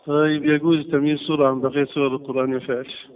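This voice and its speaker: A man's voice: on the high side, little pitch movement, racing. An Egyptian man teaching a religious lesson, quizzing his class with repeated questions. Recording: tinny lo-fi lecture recording.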